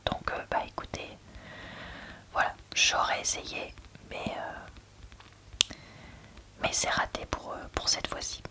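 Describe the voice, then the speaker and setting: Casting: female ASMR book reviewer, hushed library whisper, very crisp bright edge, informal and halting delivery. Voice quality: soft, breathy unvoiced whisper, like a library whisper. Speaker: book reviewer, host of a reading channel.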